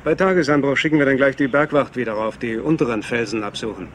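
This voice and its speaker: A man's voice: medium pitch, quick pace, soft background music, lightly acted. A man playing a laconic search officer in a German-dubbed crime drama, casual and clipped. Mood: matter-of-fact.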